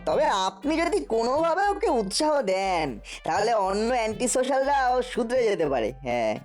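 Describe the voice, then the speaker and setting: A woman's voice: on the high side, big pitch swings, brisk, darkish tone, soft background music. A woman voicing a clever, mischievous ten-year-old boy in a comic cartoon, earnest and scheming. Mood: earnest, coaxing.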